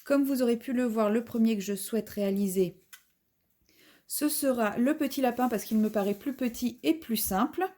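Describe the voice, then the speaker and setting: A woman with a somewhat high, soft and mellow voice hosts a casual unboxing vlog at home. She chats as she walks through each item one by one. Her delivery is relaxed and conversational. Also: normal speed. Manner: chatty, describing each item as she unpacks it. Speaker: craft vlogger.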